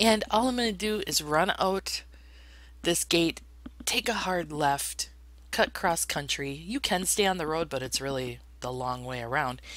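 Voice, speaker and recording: Over a silent background in a very clean recording, a woman with a very deep, low pitch speaks fairly slowly, her pitch swinging very widely. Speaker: gaming YouTuber. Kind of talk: casual gameplay commentary. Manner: chatty, rambling.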